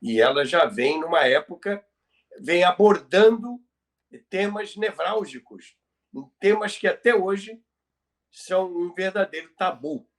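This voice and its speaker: A man with a Brazilian accent co-hosting a conversational podcast, explaining history emphatically and repeating phrases for emphasis. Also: a little high. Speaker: podcast co-host. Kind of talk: conversational radio history commentary.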